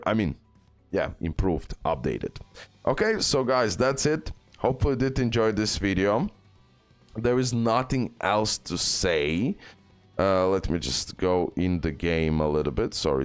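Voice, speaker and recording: A man's voice: sits low, clear, resonant tone. A man hosting a gaming video, talking casually and emphatically, repeating his points and checking in with the listener. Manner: emphatic, repetitive, with frequent check-in tags. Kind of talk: casual advice commentary on a mobile game. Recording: roomy echo, faint music behind.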